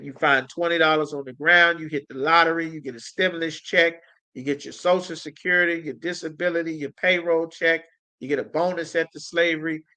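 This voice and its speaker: A man's voice: on the high side, bright, forceful tone. A man teaching a scripture class, giving announcements in a commanding preaching style with repeated call-and-response checks.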